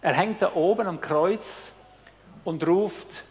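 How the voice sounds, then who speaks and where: A man preaching a sermon with intensity, talking straight to his listeners and swinging from hushed words to loud cries. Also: high voice, takes it slowly. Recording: long hall reverb.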